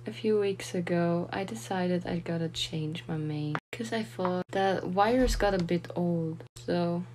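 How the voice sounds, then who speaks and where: Low-voiced young woman with a German accent. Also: measured pace, poor audio. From Austria. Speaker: paper dragon puppet maker. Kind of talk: answering viewer comments.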